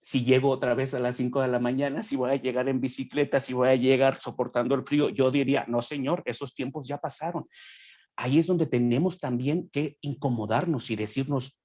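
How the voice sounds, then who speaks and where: A young man with a husky, slightly breathy voice talks in a podcast conversation. He preaches with earnest conviction and often drops into quoted asides, acting out what other people say. His pitch sits in a middle range. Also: fairly even intonation, fairly quick, darkish tone, dull audio. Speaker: guest speaker.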